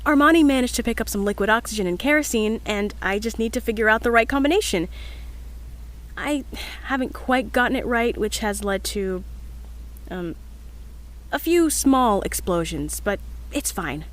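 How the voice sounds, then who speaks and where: A woman with a slightly high, expressive voice speaks at a moderate pace, lightly acted, in a low-quality recording. She plays an earnest, determined young scientist in an audio drama, delivering a reflective, somewhat hesitant confessional log in an upbeat yet sheepish mood.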